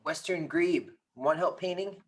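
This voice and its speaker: A woman playing an earnest, grieving boy with a halting stutter in a script table read. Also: lowish voice, a little hiss or hum, close to an everyday voice. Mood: earnest, hopeful. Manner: halting stutter on hard words.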